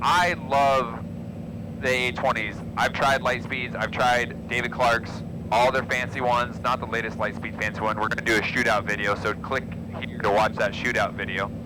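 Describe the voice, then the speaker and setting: Against noticeable background noise, a man of medium pitch talks at a moderate pace. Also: fairly even intonation. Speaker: pilot and aviation video host. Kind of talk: casual in-flight product review. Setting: cockpit of small plane in flight. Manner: soft-spoken.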